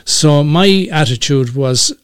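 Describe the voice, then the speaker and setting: A man in his sixties with an Irish accent, talking as a radio broadcaster in a measured, thoughtful way with many pauses and fillers. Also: a little high, clear, resonant tone, no echo, clean studio sound. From Ireland. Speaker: guest, community radio broadcaster. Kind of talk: conversational interview.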